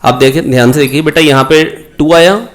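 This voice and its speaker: A man teaching a physics revision class online, coaxing his students, repeating key points and firing quick questions at them. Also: fairly high pitch, faint music behind. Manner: asks rhetorical questions, prompts answers. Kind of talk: online exam-prep lecture.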